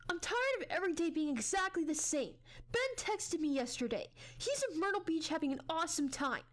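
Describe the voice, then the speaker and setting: A woman's voice: very high-pitched, lively intonation, brisk, voice pushed up. A woman playing a moody, argumentative young boy in a dramatized audiobook, with a sulky, complaining manner.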